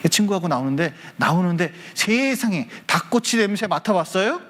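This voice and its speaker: High-voiced pastor preaching to children. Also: male voice, moderate pace. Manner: lively, asks the children questions. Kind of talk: children's sermon storytelling. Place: church hall.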